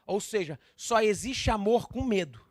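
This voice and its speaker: A man preaching a sermon. He builds to shouted appeals and acts out the scenes he tells. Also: high voice, lively intonation, unhurried, dry recording, clean studio sound. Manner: acts out biblical scenes with voices; addresses listeners as "meu querido". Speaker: pastor.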